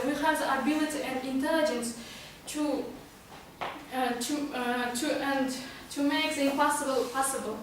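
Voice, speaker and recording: A woman with a Kazakh accent, a native Kazakh speaker, gives a motivational club speech. She speaks haltingly in a high voice, searching for words. The recording is very echoey and distant, with faint noise. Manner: halting, with long searching hesitations. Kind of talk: prepared amateur motivational speech. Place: meeting room, recorded from a distance.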